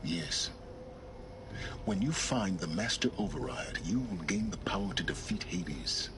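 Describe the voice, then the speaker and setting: An actor playing a cold, calculating man who speaks in a measured, solemn way. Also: deep voice, animated, vocal fry, heavily acted. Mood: grave. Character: grim ancient male schemer, cold and calculating. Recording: game audio under faint hiss.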